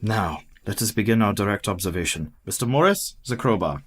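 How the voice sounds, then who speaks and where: Man voicing a formal old professor, methodical, lively pitch, radio play. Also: breathy edge. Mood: grave. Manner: measured, formal and precise. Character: Professor Van Helsing, methodical older male vampire hunter. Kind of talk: community radio play acting.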